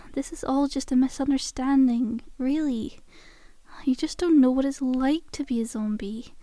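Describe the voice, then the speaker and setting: Girl doing a friendly zombie girl for asmr, soft mellow high voice, sly n coaxing, acts all innocent. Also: a little slow, no echo. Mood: cajoling. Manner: coaxing, chummy, casual, faux-innocent. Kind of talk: ASMR roleplay acting.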